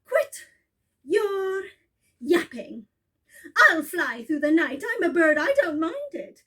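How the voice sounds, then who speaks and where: A mighty, cocky male eagle from a storybook, as a woman reader puts him on, brushing off pleas with loud, dismissive swagger. The voice still sits high. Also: very animated, slow pace, full character voice.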